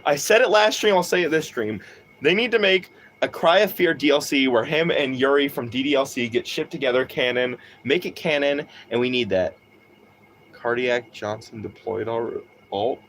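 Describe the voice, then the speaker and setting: A young man live-streaming a game, chatting casually, swearing and getting excited. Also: a little hiss or hum. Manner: profane, excitable, quick swings in pitch. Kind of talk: casual live-stream chat while gaming.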